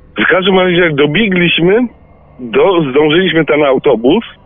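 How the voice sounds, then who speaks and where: This man speaks at a fairly slow pace. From Częstochowa, Poland. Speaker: caller sharing paranormal experiences. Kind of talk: testimony.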